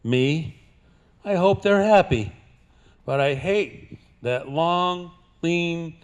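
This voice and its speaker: Older man, slow folksy cowboy twang. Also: a little high, clean tone. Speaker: cowboy poet performing at a senior center. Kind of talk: live cowboy poetry recital with folksy banter. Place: live before an audience at a senior center.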